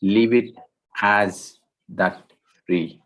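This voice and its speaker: Low-pitched, husky male meditation guide. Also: steady tone. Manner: gentle, deliberate, short phrases with long pauses.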